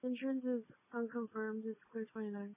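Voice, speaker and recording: A woman police dispatcher reading out a vehicle record in a routine, even manner. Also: a little high, brisk. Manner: flat, routine readout. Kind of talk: dispatch radio call. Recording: tinny police radio.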